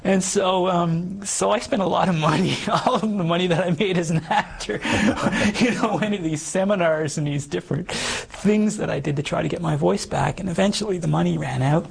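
A man around fifty with a hoarse, damaged voice, earnestly telling his life story as an interview guest, halting and full of restarts. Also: high voice. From Canada. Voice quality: hoarse, gravelly voice. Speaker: guest sharing his testimony. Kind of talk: personal testimony in conversation.

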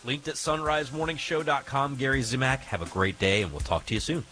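A man hosting a live morning radio show, announcing in a lively, upbeat way. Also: mid-range voice, fairly quick.

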